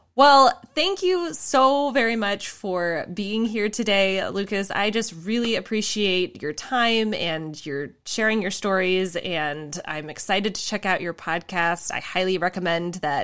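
Here is a woman with an ordinary speaking voice and medium pitch. She talks at a fairly slow pace with hardly any pauses and lively intonation. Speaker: podcast host. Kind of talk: interview, casual conversational.

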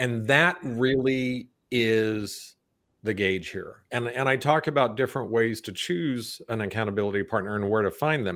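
The man has a normal speaking voice with a medium pitch and ordinary pitch variation. He talks at a moderate pace. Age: 50s. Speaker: author and entrepreneur. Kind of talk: interview. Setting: video call.

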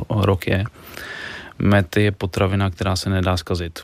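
Very deep and low in pitch, a man talks at a moderate pace with monotone, flat intonation. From western Bohemia, Czechia. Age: 30s. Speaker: entrepreneur and organic farmer. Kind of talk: radio interview.

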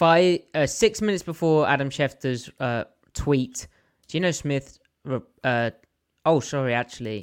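With an English accent and lively intonation, a man speaks at a moderate pace with long, frequent pauses on a very clean recording with a silent background. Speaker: podcast host. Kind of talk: casual sports analysis chat.

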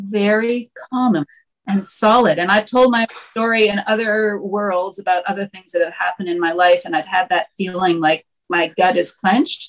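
With a normal speaking voice, a woman talks at a medium pitch and a moderate pace. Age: 60s. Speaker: mentor to women, former career professional. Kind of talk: interview.

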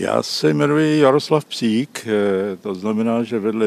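An unremarkable speaking voice from a man, fairly slow with lively intonation, on a very clean recording with a silent background. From Czechia, Prague. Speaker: retired teacher and amateur theatre director. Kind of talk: casual interview.

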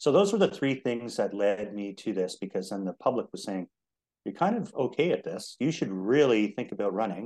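Over a quiet background, a man speaks at a fairly quick pace with a Canadian accent. His is an unremarkable speaking voice at medium pitch. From Ontario, Canada. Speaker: city councillor. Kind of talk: interview.

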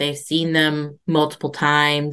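A woman's very deep, low voice with an American accent at a fairly slow pace over a quiet background. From United States. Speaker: doula and childbirth educator. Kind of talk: interview.

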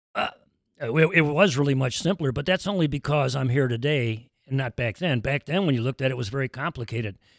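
A man talks at a very fast pace in a fairly high pitch with ordinary pitch variation. The recording is very clean, with a silent background. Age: 70s. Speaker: father of the host, business founder. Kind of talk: casual banter, joking chat.

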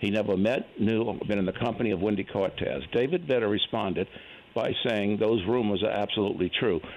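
Fairly quick and with ordinary pitch variation, a man with a fairly low pitch has an unremarkable speaking voice. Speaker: caller. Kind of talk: call-in political opinion. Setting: phone call.

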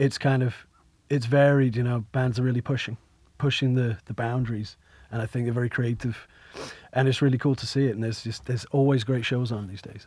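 A man speaks at a moderate pace in a flat monotone, his voice somewhat breathy, on a very clean recording with a silent background. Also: medium pitch for a man. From southwest England (Bristol). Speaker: metal band drummer. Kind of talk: casual interview.

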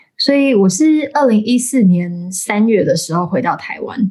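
A woman's somewhat breathy voice with lively intonation, at a moderate pace. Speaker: air traffic controller. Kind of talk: casual chat.

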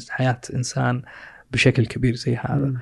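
Somewhat breathy, a man speaks at a medium pitch and moderate pace with a monotone, flat intonation. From Saudi Arabia, Riyadh. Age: 30s. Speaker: interviewee sharing his life story. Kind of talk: interview.

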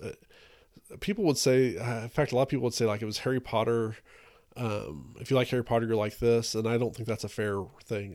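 Here is a man with a normal speaking voice and an American accent, at a medium pitch. The recording is very clean, with a silent background. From Texas. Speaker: podcast host, author. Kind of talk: solo monologue, book recommendations.

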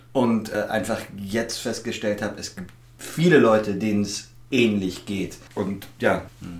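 Against music in the background and audible room echo, a man speaks at a fairly slow pace with a fairly low pitch and fairly even intonation. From Germany, Erlangen (Franconia). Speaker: podcast host. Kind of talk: casual chat.

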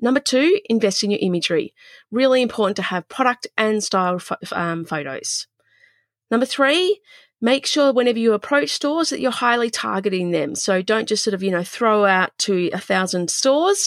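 On a very clean recording with a silent background and a dry, close sound with no echo, a woman with a fairly high pitch and an Australian accent swings very widely in pitch. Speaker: business coach and podcast host. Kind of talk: solo podcast monologue, business advice. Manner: fast.

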